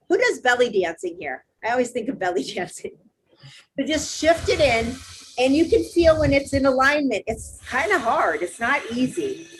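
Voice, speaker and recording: A woman teaching a live online yoga class, cueing poses step by step in a loud, encouraging, chatty way over a video call. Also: on the high side, slight background noise, low-quality recording. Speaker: yoga instructor.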